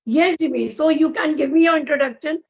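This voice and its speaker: Woman, Indian English accent, English practice host, video call, encouraging, high voice, vocal fry. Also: fairly quick. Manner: friendly, encouraging prompts. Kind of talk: casual video call chat.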